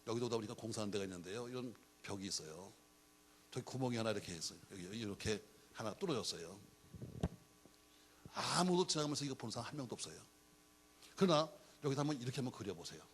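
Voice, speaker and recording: A man's voice: medium pitch, slight background noise. A middle-aged man preaching a sermon as a pastor, telling jokey stories and acting out the dialogue. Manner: animated, jokey storytelling with acted-out dialogue.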